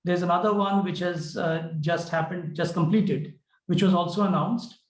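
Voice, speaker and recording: A man with an Indian accent answering questions as a company executive on an earnings call, explaining in a measured, hesitant way. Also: high voice, steady tone. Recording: roomy, echoing conference call.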